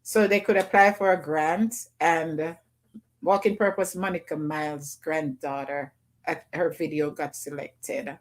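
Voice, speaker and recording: A woman's voice: sits low, steady tone, unhurried. A woman hosting a casual livestream call-in, chatting loosely and greeting viewers by name. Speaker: livestream host.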